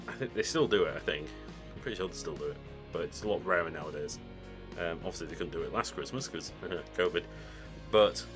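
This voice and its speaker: Low-voiced man chatting over guitar music. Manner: chatty, rambling, with hedges and fillers. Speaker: host reacting to a video. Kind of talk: casual reaction commentary.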